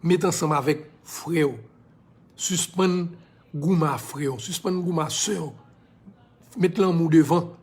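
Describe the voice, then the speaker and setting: A man's voice: fairly high pitch, slow, long pauses, a little mellow. A man with a Haitian accent giving an impassioned, preachy monologue in a casual live video, now and then slipping into English phrases. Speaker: social media personality.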